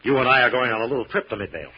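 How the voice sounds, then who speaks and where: An actor playing a confident, commanding scientist-investigator in 1940s radio drama style, speaking with precise authority. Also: male voice, mid-range voice, rapid-fire, close to an everyday voice. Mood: thoughtful, assured. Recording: muffled old radio recording.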